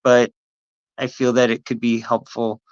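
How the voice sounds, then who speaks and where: A trans woman speaking as a podcast guest, hesitant and soft-spoken with frequent ums. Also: very deep voice, little pitch movement, a little slow, highs cut off. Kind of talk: casual podcast conversation.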